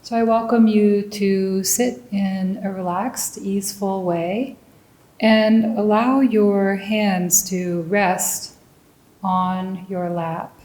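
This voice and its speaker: Slow, mellow woman guiding meditation. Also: medium pitch, fairly even intonation, echoey room. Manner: gentle, deliberate, with long pauses between short phrases. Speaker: meditation teacher. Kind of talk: guided meditation.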